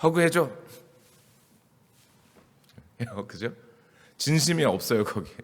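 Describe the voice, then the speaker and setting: A male pastor preaches a conversational sermon in a church sanctuary, firing question after question at his congregation. His voice is on the high side and very animated, at a moderate pace. The church hall gives the recording a long reverb.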